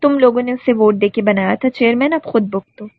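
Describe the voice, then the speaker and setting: A carefree young woman brushes off the worry around her in a flippant tone, voiced by a woman storyteller. The voice is husky and a little high. The audiobook recording sounds dry and tinny. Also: dry recording. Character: carefree, teasing young woman eating dessert.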